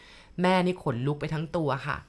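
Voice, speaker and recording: Woman telling a ghost story, lower voice. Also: steady tone, fast. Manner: polite, addresses listeners directly.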